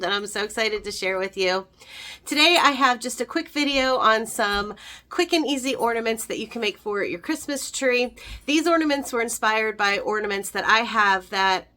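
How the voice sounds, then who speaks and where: A woman's voice: a little high, pushed and bright. Upbeat, slightly nasal woman explaining crafts. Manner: upbeat, chatty and instructive. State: nasal from getting over a cold. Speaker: craft channel host. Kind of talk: step-by-step craft tutorial narration.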